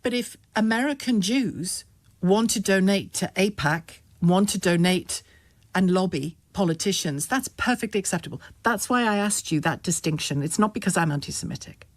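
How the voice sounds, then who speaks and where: A woman's voice: mid-range voice, moderate pace, no room sound. A British woman television host pressing a guest with probing, challenging questions in an interview. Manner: probing, pushes back, stammers restarts.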